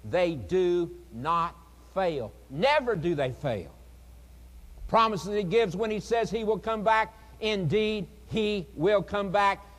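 A man with a high-pitched voice preaches an earnest revival sermon, drawing out words with dramatic pauses and dropping to a hush before rising again. His voice rings through a large hall with a long reverb tail. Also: expressive. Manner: dramatic pauses, pleading and earnest, swings loud and soft. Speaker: evangelist preacher.

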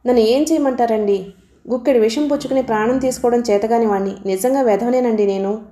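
A bitter, indignant husband, sarcastic and quick to anger, read by a woman narrator. The voice sits fairly high and sounds mellow, with a roomy echo around it. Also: lightly acted. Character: angry, bitter man, a wronged husband.

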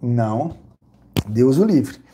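A Brazilian man vlogging casually, telling an animated, repetitive story with lots of exclamations. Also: mid-range voice, slow pace, slight background noise. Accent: Brazilian Portuguese. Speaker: vlogger reviewing credit card perks and hotels.

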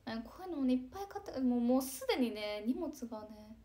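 A young woman, chatting casually on a live stream, breezy and talkative with soft asides. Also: a little high, sing-song, quick pace. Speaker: idol livestreamer reading chat comments.

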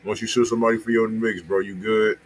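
A man's voice: on the low side, fairly even intonation, fast talker, slight background noise. A man co-hosting a music stream, chatting casually with profane slang and repeated affirmations. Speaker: music review stream co-host. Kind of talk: casual chat.

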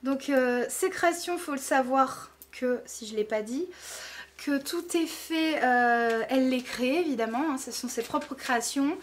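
A woman's voice: high-pitched, unhurried. A woman vlogging casually, showing off jewelry with gushing enthusiasm and lots of fillers. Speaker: beauty vlogger. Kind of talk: casual show-and-tell.

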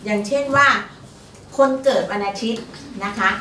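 As the fortune teller co-host on a fortune-telling show, this woman passes along lottery tips in polite, chatty talk full of particles. Her medium-pitched voice is pushed and bright at a normal speed. The audio is roomy and faintly noisy, captured from a distant mic.

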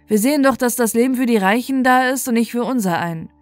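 A woman's voice: a little high, fast, no room sound, lightly acted. A woman voicing a poor, weary male woodcutter lamenting bitterly in a fairy tale, with music behind. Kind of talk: fairy tale storybook reading.

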